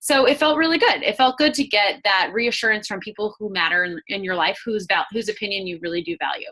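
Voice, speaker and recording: Talking at a very fast pace with hardly any pauses, a woman speaks with an American accent. Her fairly high pitch carries lively intonation. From New York. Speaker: network marketing coach. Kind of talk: coaching talk on team call. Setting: conference call.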